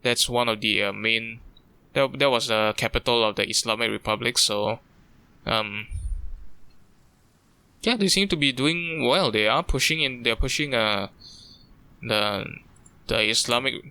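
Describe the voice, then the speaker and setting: A man's voice: mid-range voice, measured pace, pauses often, bright, forceful tone, clear, resonant tone. A young man from Singapore, thinking aloud in loose, chatty let's-play commentary. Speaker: gaming YouTuber.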